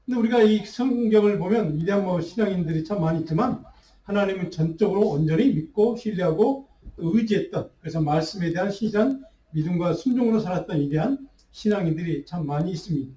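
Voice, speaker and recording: Male pastor giving a sermon, slightly high voice, echoey sanctuary, kinda laid back. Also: dark tone. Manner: unhurried preaching with restarts and fillers. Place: church sanctuary. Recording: roomy church sound, mic at a distance.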